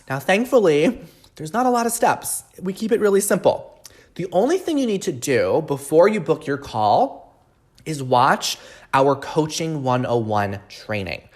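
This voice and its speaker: A man speaking as a podcast host and coaching trainer, explaining things in an earnest, emphatic way and often checking in with the listener. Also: medium pitch. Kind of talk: solo podcast talk, promotional explainer.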